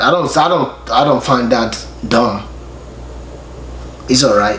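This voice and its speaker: A man speaks with a Nigerian accent at a medium pitch and a fairly slow pace, with long, frequent pauses. His loudness is very even, his pitch variation ordinary, and background noise is noticeable. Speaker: YouTube reactor. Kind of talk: casual talk to camera.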